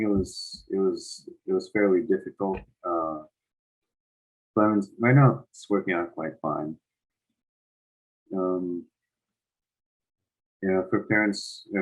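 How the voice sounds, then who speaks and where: Low, husky-voiced teenage young man. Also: low-quality recording. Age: 17, late teens. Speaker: high school student in conversation. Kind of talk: casual conversational interview.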